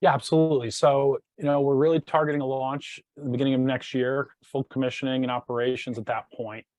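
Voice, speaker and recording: A man's voice: medium pitch, flat delivery, quick pace, darkish tone, no room sound. A man speaking as a company executive, giving precise explanatory answers on an earnings call.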